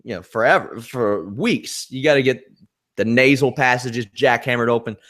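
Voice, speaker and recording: Male podcast co-host, nasal tone, mid pitch, dry sarcastic chat. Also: normal speed, fairly bright tone. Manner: wry, sarcastic asides. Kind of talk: casual wrestling chat.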